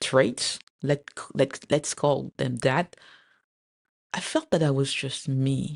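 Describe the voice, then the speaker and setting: Very slow pace, with a dry, close sound and no echo. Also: woman. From Cameroon. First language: French. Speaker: podcaster. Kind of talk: personal monologue. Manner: deliberately slow; halting, many fillers and repetitions.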